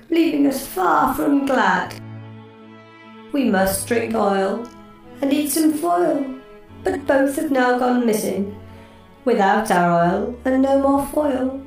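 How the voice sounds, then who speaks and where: A tiny red robot from a storybook, pitched way up high, slow and deliberate, with a gravelly crackle. The voice rings with a strong echo and sits back from the mic, soft music underneath. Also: male voice, recorded from a distance, heavily acted. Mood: sad. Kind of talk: storybook reading.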